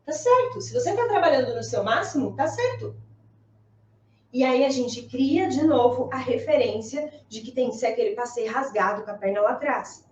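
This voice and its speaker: A woman with a Brazilian accent teaching an online ballet lesson, demonstrating moves and checking in often with quick questions. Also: high-pitched, expressive, a little hiss or hum. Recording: echoey room, distant mic, dull sound.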